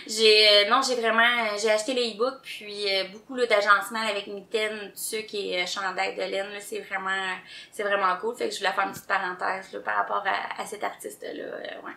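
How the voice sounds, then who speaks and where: Québécois woman cohosting, bright voice, lots of um and restarts, sounds roomy. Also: medium pitch, flat delivery, moderate pace, gravelly, hardly any pauses. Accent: Québécois French. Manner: hesitant, many fillers and restarts, enthusiastic. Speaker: podcast co-host. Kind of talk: casual chat. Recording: roomy echo.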